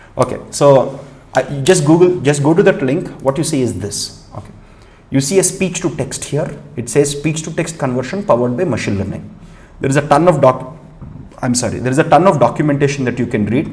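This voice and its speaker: In a room with audible echo and noticeable background noise, a man with an Indian accent speaks at a fairly high pitch. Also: ordinary pitch variation, fairly quick pace. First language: Telugu. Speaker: online course instructor. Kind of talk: live-streamed lecture. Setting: live stream. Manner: repetitive, conversational.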